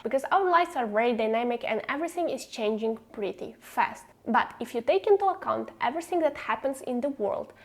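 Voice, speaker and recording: A woman with a fairly high voice and a Ukrainian accent explains things as a channel host. She speaks directly to her listeners, stressing her opinions emphatically in non-native English. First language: not English. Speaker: host of a stock investing channel. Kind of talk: explanatory commentary to viewers.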